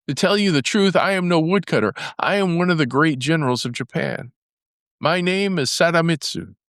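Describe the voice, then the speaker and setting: A man's voice: mid-range voice, a bit bright, no room sound, clean studio sound, close to an everyday voice. Man voicing a formal, proud storybook general. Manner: formal, declarative. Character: proud, courteous Japanese general revealing his true rank. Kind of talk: storybook character voice.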